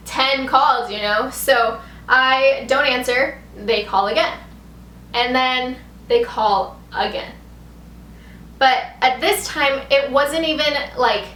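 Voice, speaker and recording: A woman's voice: on the high side, a bit bright. A young woman vlogger telling a story in a casual, chatty, rambling way, saying "like" a lot. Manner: rambling, heavy use of "like". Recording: echoey room with background noise.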